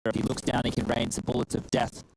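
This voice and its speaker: A man with an Australian accent calling an esports match play-by-play, brisk and playful between rounds. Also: a little mellow, a little hiss or hum, poor audio. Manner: brisk, quick-talking, playful banter. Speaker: esports caster. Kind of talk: play-by-play commentary.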